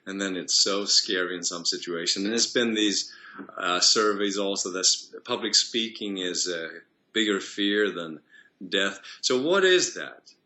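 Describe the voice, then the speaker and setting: A male vocal coach talks earnestly in a long, flowing interview answer. His voice sits on the low side but rings bright and forward. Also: animated, measured pace. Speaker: voice and singing coach.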